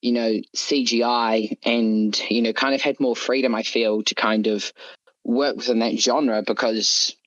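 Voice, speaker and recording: A man's voice: medium pitch, steady tone, measured pace, fairly bright tone, no echo, dull audio. A man speaking as an author being interviewed, chatting casually in a rambling, hedging way. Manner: rambling, hedging with frequent "you know" and "like". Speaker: interview guest, horror story author.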